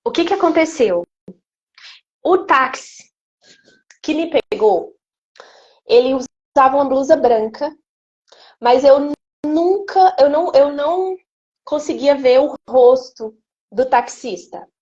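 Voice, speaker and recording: A woman, a guest giving an emotional personal testimony in an animated storytelling way. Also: high-pitched, slow, long pauses, dull audio. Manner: animated storytelling, acting out quoted speech. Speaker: interview guest.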